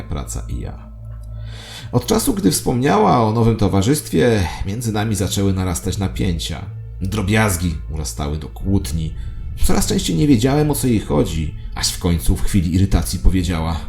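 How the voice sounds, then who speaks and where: Deep-voiced, expressive male narrator. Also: vocal fry. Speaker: narrator of a satirical audio drama. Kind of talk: scripted first-person dramatic narration.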